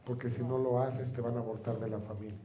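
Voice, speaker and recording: A man in his thirties, a workshop speaker telling a personal story to his audience in an animated way, with casual swearing. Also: medium pitch, fast, echoey room, a little hiss or hum. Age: 30s. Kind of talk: seminar storytelling.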